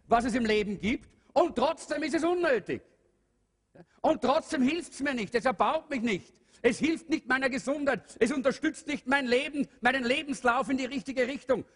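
A man with a husky, breathy voice preaches a sermon to his congregation. He speaks earnestly and asks many rhetorical questions. A long reverb from the church hall hangs on every phrase. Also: extremely high pitch, a bit bright. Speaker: pastor.

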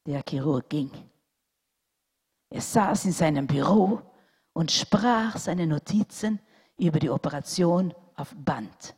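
A woman narrating a religious story, unhurried and deliberate. Her voice is breathy and slightly husky. It carries a long reverb from a large hall. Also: low-pitched, animated, darkish tone. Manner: slow, deliberate storytelling with dramatic pauses.

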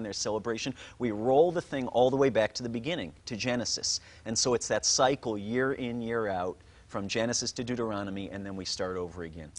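A man with an Israeli accent patiently explaining Jewish reading traditions in a conversation. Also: medium pitch. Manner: patient, explains terms with scripture references.

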